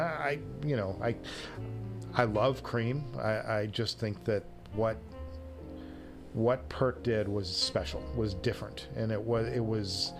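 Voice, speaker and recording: A man hosting a casual livestream, chatting with viewers in a self-deprecating, joking way. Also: fairly low pitch. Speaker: livestream show host. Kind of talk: casual chat answering viewers' live comments.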